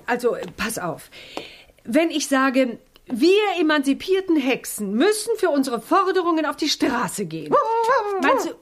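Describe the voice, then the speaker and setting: A woman's voice: high-pitched, very animated, measured pace. A woman playing a harried witch mother in a children's audio play, exasperated and theatrical. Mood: urgent, insistent. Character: harried witch mother, scolding wife, scatterbrained spell-caster.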